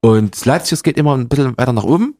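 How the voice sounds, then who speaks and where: Fast-talking, rambling young man. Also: medium pitch, animated, darkish tone. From Germany. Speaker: guest. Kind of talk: casual interview chat.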